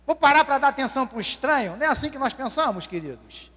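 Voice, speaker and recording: A man's voice: extremely high pitch, expressive, fast, bright, forceful tone. A man, preaching a sermon and questioning the congregation as "dear ones". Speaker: pastor. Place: church hall. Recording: long church hall reverb.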